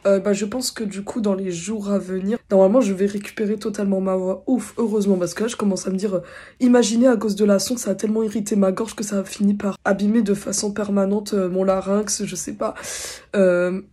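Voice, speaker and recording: A young woman talking casually to camera in a vlog, her voice still slightly hoarse and recovering, chatty with many fillers. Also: mid-range voice, steady tone, a little fast, dark tone. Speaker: vlogger.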